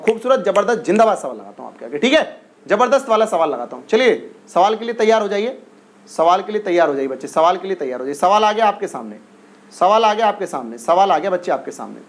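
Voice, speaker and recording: In an exam-prep class, a man with a high, bright voice asks each question again and again, coaxing his students and pressing them to answer quickly.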